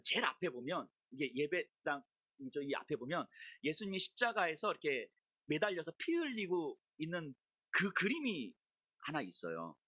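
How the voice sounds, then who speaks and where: Middle-aged woman pastor, sermon; husky, bright tone, very lively pitch, storytelling delivery. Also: no echo. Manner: personal storytelling, shouting her remembered complaints.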